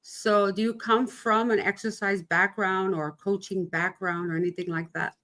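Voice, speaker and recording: A woman's voice: mid-range voice, flat delivery, normal speed, fairly bright tone. Woman from new york hosting a livestream chat, rambly, laughs a lot, video call sound. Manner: chatty, rambling, laughs often. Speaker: podcast host. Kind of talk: casual livestream interview.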